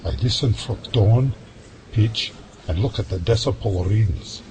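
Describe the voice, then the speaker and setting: A seasoned Scottish sound analyst, as a man plays him, calm and folksy in a low voice, talking shop with easy confidence. Hiss sits clearly under the recording. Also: unhurried, lightly acted. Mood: explaining. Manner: calm, folksy, says lad and aye. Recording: noisy home-made audio drama.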